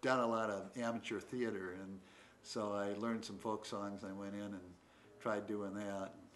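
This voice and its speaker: Room echo is audible as a man speaks at a moderate pace. His pitch is fairly low and his intonation fairly even. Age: 70s. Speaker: folk musician and humorist. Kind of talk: casual interview.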